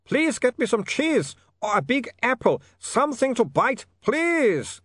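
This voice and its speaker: Anguished, high-pitched vampire. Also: male voice, very animated, normal speed, dry recording, studio quality. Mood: desperate pleading. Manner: wailing, trembling, overwrought. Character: anguished vampire man, melodramatic, apologetic, fighting his cravings. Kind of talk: dramatised audiobook character.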